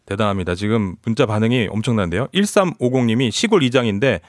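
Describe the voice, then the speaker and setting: A man co-hosting a radio contest, presenting and bantering with excitable exclamations. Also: lowish voice, quick pace, no room sound, clean studio sound. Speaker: radio show co-host. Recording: music behind the voice. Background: music.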